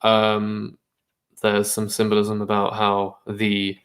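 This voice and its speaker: A man's voice: fairly low pitch, completely flat delivery, takes it slowly. A young man co-hosting a podcast, rambling in casual chat, swearing freely and dropping slang. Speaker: podcast co-host. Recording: echoey room.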